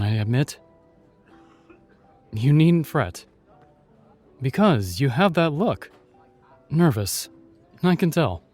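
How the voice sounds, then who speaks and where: A male actor voices a chivalrous, shyly tender knight in a fantasy audio roleplay. His mid-range voice is a little mellow, and his gentle, formal delivery is courtly and reassuring, though slightly hesitant.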